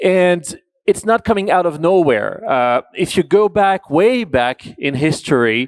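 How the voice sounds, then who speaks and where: With a French accent, a man speaks fairly slowly in a high pitch, his voice swinging very widely, in a dry, close sound with no echo. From France. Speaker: conference speaker on hydrogen policy. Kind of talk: conference presentation.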